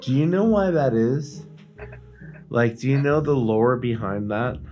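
A man's voice: mid-range voice, unhurried, mellow, muffled recording, soft background music. A man co-hosting a podcast, chatting casually in a rambling, explanatory way and swearing now and then. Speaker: podcast co-host. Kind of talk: casual chat.

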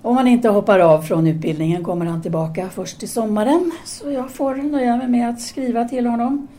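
An actress playing a cool, frank French intellectual woman in an audio drama, with measured, formal and composed delivery. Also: fairly high pitch, warm tone, slight background noise, lightly acted.

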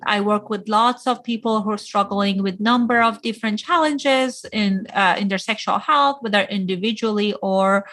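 A woman's voice: mid-range voice, fairly bright tone. A woman who grew up in Iran, a psychologist answering interview questions in an earnest, explanatory way. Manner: earnest, explanatory, with frequent uh fillers. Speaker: guest psychologist.

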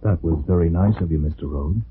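A man acting a kindly, concerned Catholic priest in a 1940s radio drama, speaking gently and in measured phrases. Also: deep voice, a little hiss or hum, lightly acted. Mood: gentle, concerned. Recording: muffled, tinny 1940s radio broadcast.

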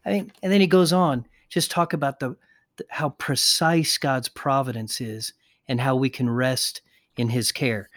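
A man's voice: medium pitch, steady tone, fairly bright tone, no echo, studio quality. A man co-hosting a podcast discussion, talking earnestly and reading quotations aloud with small restarts. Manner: earnest, reads quotes aloud with pauses and restarts. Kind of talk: conversational discussion with quoted readings.

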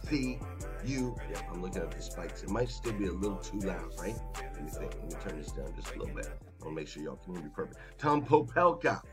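A man hosting a motivational morning livestream, hoarse as if losing his voice, talking emphatically and chattily straight to his listeners and repeating phrases for effect. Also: deep voice, sing-song, brisk, over music. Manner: folksy, chatty direct address to listeners. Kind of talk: motivational live talk to an audience.

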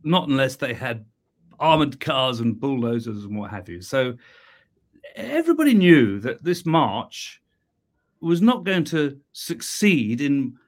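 A man from England hosting a live interview, asking questions in an animated, emphatic way and often repeating words. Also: mid-range voice, measured pace. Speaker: host.

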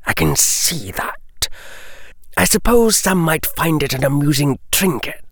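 A cold, aristocratic wizard lord speaks in a soft, slow, whispery drawl, as a male audiobook reader puts him on. His pitch glides up and down with sly menace. The recording is dry and close. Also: lively intonation, creaky, dry recording, heavily acted. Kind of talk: audiobook character voice.

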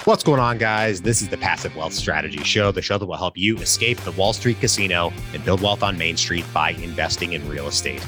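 A man's voice: low-pitched, brisk, few pauses, music in the background. A man hosting a podcast, reading an upbeat intro with a slightly congested, nasal voice. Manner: upbeat, salesy call-to-action delivery. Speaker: podcast host.

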